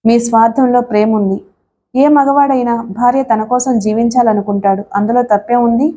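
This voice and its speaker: A woman voicing a young wife who speaks quietly but firmly in an audiobook. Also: fairly high pitch, fairly even intonation, moderate pace, a little hiss or hum, lightly acted. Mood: teasing. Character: young wife, calm, firm, secretive.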